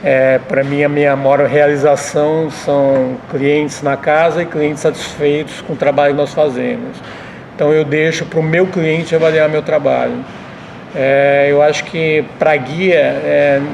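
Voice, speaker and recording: Higher-voiced São man, creaky. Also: steady tone, unhurried, darkish tone, slight background noise. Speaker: restaurant owner being interviewed. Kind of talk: conversational interview answers.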